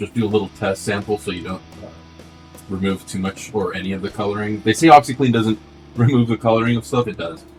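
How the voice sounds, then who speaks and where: A man speaks at a very fast pace with a fairly low pitch. Music plays in the background. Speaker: men's clothing reseller. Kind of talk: casual talk to camera.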